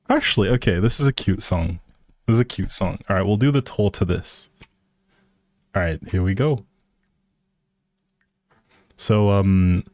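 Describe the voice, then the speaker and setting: A man with a fairly low voice, recorded dry and close. He chats casually as a livestream host, with playful, teasing banter aimed at his viewers. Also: a little mellow, no room sound.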